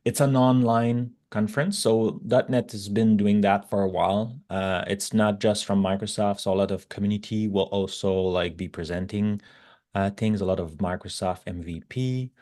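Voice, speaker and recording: French-accented male tech guest, lowish voice, informal and somewhat halting delivery. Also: steady tone, warm tone. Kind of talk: casual technical talk.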